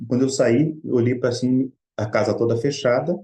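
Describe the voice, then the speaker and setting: A man's voice: mid-range voice, steady tone, fairly quick, mellow. A middle-aged Brazilian man speaking in an earnest, conversational way, telling a personal story in a Spiritist study talk. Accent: Brazilian Portuguese.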